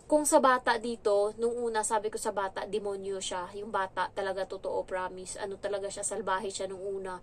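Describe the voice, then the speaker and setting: A woman's voice: medium pitch, a little fast, few pauses, slight background noise. A young adult woman from the Philippines who works as a domestic helper, telling a frank, chatty story in a casual vlog. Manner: chatty, frank, animated when retelling.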